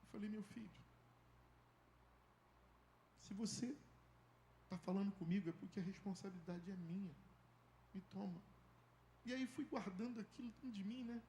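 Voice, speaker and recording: A male pastor preaching a sermon, telling a story and acting out the dialogue, swinging from loud calls to hushed tones. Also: high voice, fairly quick, pauses often, reverberant, slight background noise. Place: church.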